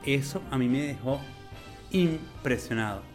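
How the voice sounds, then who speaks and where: A man's voice: medium pitch, faint music behind. A man from Venezuela, an interview guest speaking enthusiastically, stretching words for emphasis. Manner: enthusiastic, animated, drawn-out emphasis. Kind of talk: conversational storytelling.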